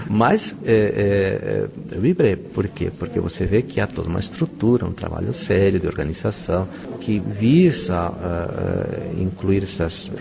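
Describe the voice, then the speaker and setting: A Brazilian man speaks as a professor in a spontaneous interview. His voice is low and creaky, and he is enthusiastic and emphatic, often posing questions to himself. A crowd murmurs clearly around him. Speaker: university professor being interviewed. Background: crowd chatter.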